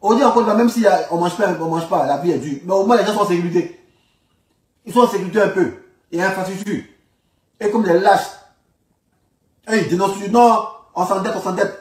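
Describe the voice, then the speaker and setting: A man's voice: high-pitched, a little fast, long pauses. A man with an Ivorian accent giving an informal political monologue, insistent, repeating phrases for emphasis and asking rhetorical questions. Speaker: political commentator. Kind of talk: informal spoken political monologue in reply to a speech. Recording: roomy echo, distant microphone.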